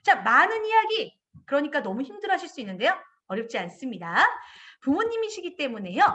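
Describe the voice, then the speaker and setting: Lively high-voiced woman giving a parenting lecture. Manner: animated, acts out children and parents in quoted voices.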